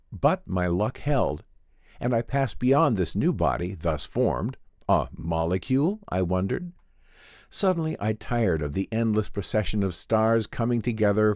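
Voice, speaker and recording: Man giving a dramatic, low-pitched story reading. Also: darkish tone, no echo, studio quality. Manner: theatrical, melodramatic first-person delivery. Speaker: audiobook reader. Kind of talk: dramatic reading of vintage science fiction story.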